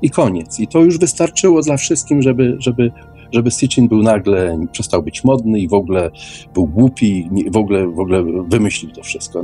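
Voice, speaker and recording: A man's voice: fairly low pitch, dark tone. A man in an informal, opinionated radio discussion, speaking emphatically and often repeating words. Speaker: guest in an online radio debate.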